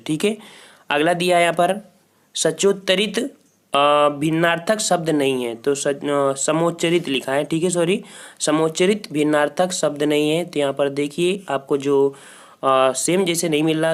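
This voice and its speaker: A man walking students through exam questions as a teacher. He repeats each answer and keeps saying "theek hai" as a filler. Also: fairly high pitch. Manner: repeats answers, frequent "ठीक है" fillers, talks to students directly. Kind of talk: Hindi grammar quiz walkthrough.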